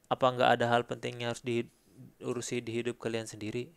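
A man's voice: mid-range voice, monotone, fairly quick, vocal fry, clear, resonant tone. A man, co-hosting a casual chat, joking and laughing often in slangy banter. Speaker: co-host.

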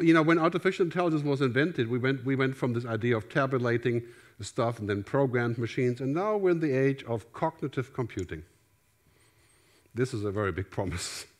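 A middle-aged man with a German accent gives a conference keynote on a large theater stage, speaking through a headset mic. His medium-pitched voice has lively intonation and a slightly fast pace. He's conversational, gestures widely, and often tacks on "right?".

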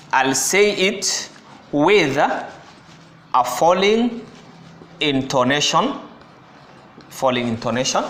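A man with a fairly high voice, teaching an exam-prep lesson. He explains step by step, repeating words and correcting himself as he goes. The sound is echoey, as if from a bare room. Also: a bit bright.

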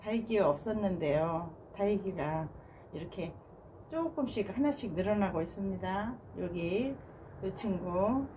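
A woman casually narrating a tour of her home balcony garden, gushing with soft admiring sighs. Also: mid-range voice, measured pace, background noise. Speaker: gardening vlogger. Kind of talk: casual narration while showing plants.

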